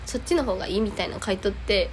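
Talking rapid-fire at a medium pitch, a woman with a Kansai accent co-hosts a casual podcast chat and tells an animated story, voicing the quoted lines of its characters. Slight background noise comes through on her remote recording.

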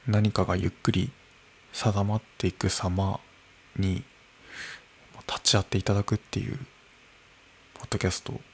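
A man in his early thirties talking alone into a microphone in his room, slow and musing, with soft laughs. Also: low-pitched, flat delivery, slight background noise. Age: early 30s. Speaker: podcast host. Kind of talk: unscripted solo podcast talk. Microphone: podcast microphone.

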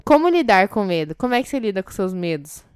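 A woman's voice: mid-range voice, very animated, fast, darkish tone, clean tone, no echo, studio quality. A woman co-hosting a casual chat, joking, swearing freely and telling things animatedly. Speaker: podcast co-host.

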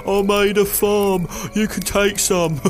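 An actor playing a foul-mouthed, cocky raider thug with a British accent in a dark audio drama, coarse and mocking. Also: male voice, high-pitched.

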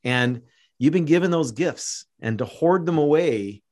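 A Canadian man hosts a podcast in relaxed conversation. He rambles, circles back on his own words and stumbles through restarts, yet keeps the tone upbeat and encouraging. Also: on the high side, unhurried. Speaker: podcast host. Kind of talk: casual interview chat.

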